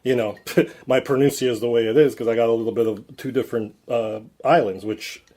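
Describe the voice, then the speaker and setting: Joking podcast guest. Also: male voice, medium pitch, a little fast. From Cambridge, Ontario, Canada. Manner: animated, joking, drops in Portuguese phrases. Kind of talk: casual storytelling chat. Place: podcast studio.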